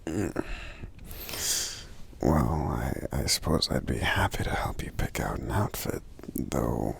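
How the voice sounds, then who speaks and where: A man playing a friendly, polite, protective giant in soft-spoken ASMR roleplay, breathy and gravelly, with hesitant, hum-filled pauses. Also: a bass voice, expressive, exaggerated voice. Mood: accommodating, gentle. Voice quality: breathy, gravelly, half-whispered. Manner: hesitant, courteous, unhurried, pausing with hums.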